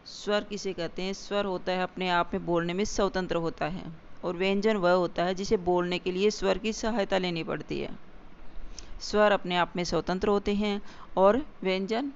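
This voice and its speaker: A grammar teacher explaining definitions step by step, repeating key points and slowing down for examples. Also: mid-range voice. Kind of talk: exam-prep grammar lesson. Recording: dull lo-fi recording with faint hiss.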